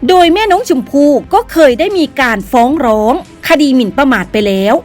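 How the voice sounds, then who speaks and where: A woman narrates news commentary in a high, lively voice, scornful and condemning. Faint music plays behind her. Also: fairly quick.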